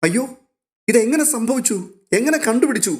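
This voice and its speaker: A man voicing an excitable young man on a phone call, full of eager, disbelieving exclamations. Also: sits high, fairly quick, pitched above the performer's own voice, lightly acted. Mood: excited, astonished.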